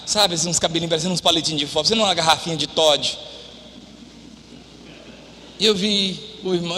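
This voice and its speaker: A pastor preaching a fervent live sermon, sometimes dropping into a low, chatty tone. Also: male voice, a little hiss or hum. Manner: fervent preaching, shouting at climaxes; drops to a lower, quieter, chatty tone. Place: church hall. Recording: live church hall reverb.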